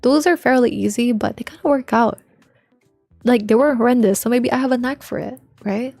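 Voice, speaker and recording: A woman livestreamer with a soft, quiet voice, chatting informally and playfully with viewers and swearing now and then. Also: brisk, dry recording. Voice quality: soft, low-volume voice, unlike their usual loud one. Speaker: live streamer. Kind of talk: casual livestream chat with viewers. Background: faint music.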